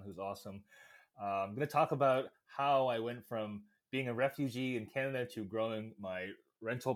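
A man from Vietnam speaking as a podcast guest, hesitant and reflective, with many uhs and ums. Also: lowish voice. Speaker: interview guest, real estate investor. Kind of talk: casual interview chat.

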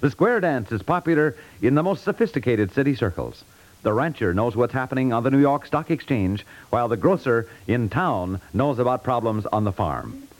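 A male network announcer delivers scripted copy in 1950s radio style. His mid-pitched voice rises and falls widely, with formal, declamatory phrasing. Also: expressive, normal speed.

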